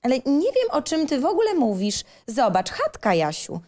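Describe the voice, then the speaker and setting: An exasperated young mother and puppet actress played by a woman in an audio drama. Her voice is high, switching between grumbling and stage talk. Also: huge pitch swings, moderate pace, a little mellow.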